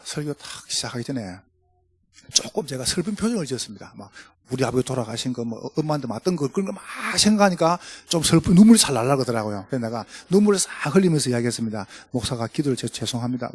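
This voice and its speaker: A middle-aged man with a Gyeongsang Korean accent, preaching a humorous sermon to fellow pastors with lively storytelling. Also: medium pitch, fast talker, breathy edge, no room sound. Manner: storytelling, jokey, animated. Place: church.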